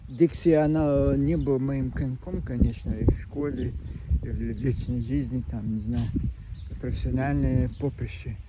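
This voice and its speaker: A man talking to his phone camera outdoors at a seaside resort, in a language that is not his first. His speech is halting, full of restarts and side tracks, and his pitch sits in an ordinary middle range. Clear noise from the shore runs under his voice. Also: steady tone. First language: not Russian. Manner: halting, many restarts and digressions. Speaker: vlogger. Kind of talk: rambling outdoor vlog monologue. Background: noise of the sea shore.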